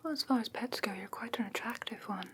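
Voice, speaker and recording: A woman voicing an ancient, haughty yet curious fae in a soft breathy whisper for an ASMR fantasy roleplay, halting and matter-of-fact. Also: a little high. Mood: appraising, haughty. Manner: unhurried, matter-of-fact, faintly condescending, halting. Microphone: close ASMR microphone. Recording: close-miked with clear background ambient noise.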